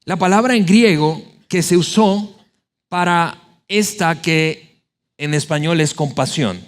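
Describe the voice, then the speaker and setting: Male pastor, high voice, animated sermon delivery with acted-out quotes. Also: slow.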